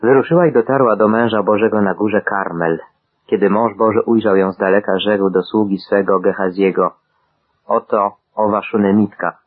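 Guy reading bible stories aloud, low-ish husky voice, sounds like thin radio audio. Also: phone-quality sound. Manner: steady, measured reading of quoted dialogue. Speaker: scripture reader.

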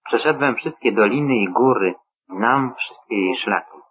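A calm, reassuring angel posing as a young traveler, read by a man. His voice is low and husky, the delivery solemn and measured. It comes through thin and tinny, like a phone line. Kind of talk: scripture reading. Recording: tinny phone-like radio sound.

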